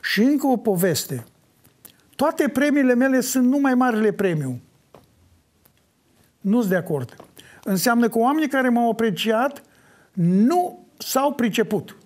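An older man answering interview questions in an animated way, breaking into sung folk lines as he talks. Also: very high voice, pauses often. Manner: animated, sings folk lines mid-talk. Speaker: folk singer.

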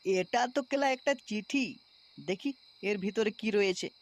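A man's voice: high voice, moderate pace, background noise, close to an everyday voice. A man voicing a furious, jealous husband in a comedy cartoon, threatening and swearing in a West Bengal accent. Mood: brooding anger. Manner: foul-mouthed, threatening.

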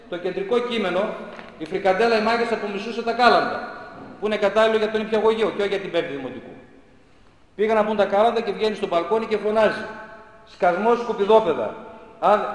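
Indignant high-voiced man lecturing in echoey hall. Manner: indignant, sarcastic, rhetorical questions. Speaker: schoolteacher giving a public talk. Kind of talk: impassioned lecture. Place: large hall of a church centre. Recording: very echoey hall with long reverb.

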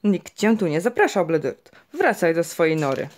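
A woman's voice: lowish voice, big pitch swings, normal speed. A woman doing a boastful, stubborn dad. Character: proud, boastful father, quarrelsome and stubborn.

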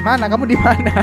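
A man playing a survival game with a friend, teasing and laughing often as he jokes through the mishaps. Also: very high voice. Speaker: gaming YouTuber. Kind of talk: gameplay banter.

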